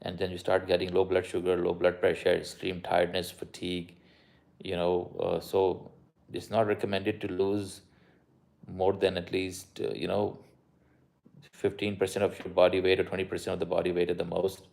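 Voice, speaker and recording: A man's voice: sits low, completely flat delivery, moderate pace, vocal fry, darkish tone. A man with a South Asian accent, a doctor chatting casually on a live stream, switching between Urdu-Hindi and English mid-sentence. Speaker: doctor answering live viewer questions.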